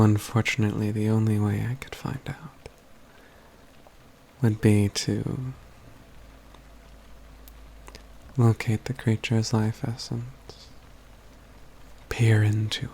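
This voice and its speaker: A man playing a wry, self-assured, caring mage companion in a soft, breathy, near-whispered ASMR fantasy roleplay, with measured, formal phrasing. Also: fairly low pitch, flat delivery, slight background noise, poor audio. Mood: wry, sombre.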